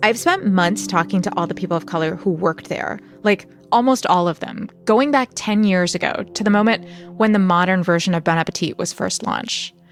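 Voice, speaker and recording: Music plays in the background as the speech moves at a moderate pace in an American accent with ordinary pitch variation. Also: woman. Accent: American-sounding. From India (Hyderabad). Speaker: podcast reporter. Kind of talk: narrated podcast storytelling.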